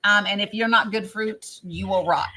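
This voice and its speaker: A woman's voice: medium pitch, fairly even intonation, unhurried, pushed and bright. A woman in her fifties hosting a live-stream panel, talking earnestly and firmly with many ums and restarts. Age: 50s. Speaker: livestream host.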